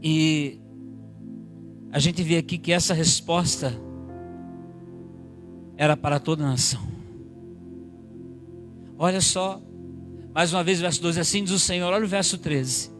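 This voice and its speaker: Male pastor, high-pitched, preaching with rising emphatic repeats over faint music. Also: steady tone, measured pace, pauses often. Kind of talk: sermon. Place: church.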